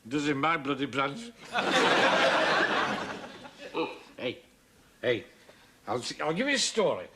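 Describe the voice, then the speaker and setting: An actor in a 1970s TV sitcom plays a mocking black-sheep brother, a boozy commercial traveller who teases cheekily and laughs at his own jokes. The voice is exaggerated, a little high, and slow, with huge swings in pitch. Heavy background noise runs underneath.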